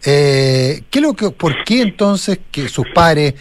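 A man's voice: a little high, sing-song, slow pace. A man hosting a radio interview, asking long questions with many fillers and repeated words.

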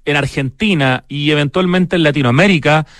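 A man hosting a program, interviewing his guest in a friendly, attentive way and reading details out loud. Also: fairly high pitch, normal speed, no room sound, studio quality. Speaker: radio program host. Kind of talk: conversational interview.

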